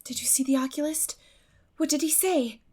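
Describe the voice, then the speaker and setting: An earnest, tender teenage girl, acted by a woman reading a classic novel, pitched up high. She speaks with emotional, pleading emphasis and a resolute streak, in dramatic audiobook style. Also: fairly even intonation, normal speed, mellow, close to an everyday voice. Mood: anxious concern.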